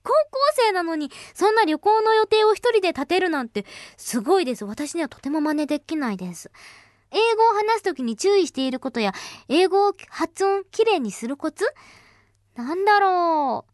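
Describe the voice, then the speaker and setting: Bubbly high-voiced woman radio host. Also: big pitch swings, moderate pace, no room sound, clean studio sound. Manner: bubbly, chatty, laughs often. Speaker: radio host reading listener mail. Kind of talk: casual radio chat.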